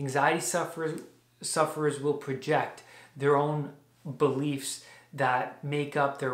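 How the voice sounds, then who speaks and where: With audible room echo, a man speaks at a fairly slow pace. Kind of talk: talking-head advice monologue. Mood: earnest, concerned. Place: home room.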